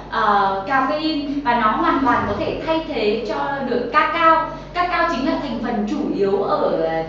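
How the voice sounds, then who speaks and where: Heavy reverb and a far-off mic give this young Vietnamese woman's fairly high voice a dull sound. She presents a healthy-drink tutorial to viewers from a bright indoor kitchen studio, chatty and peppered with filler sounds.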